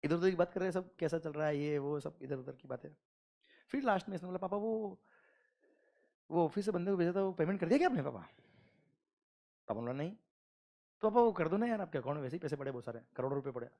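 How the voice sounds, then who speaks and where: A man's voice: a little high, expressive, fast, gravelly, long pauses, warm tone. A middle-aged man teaching a class, telling a story and acting out its dialogue.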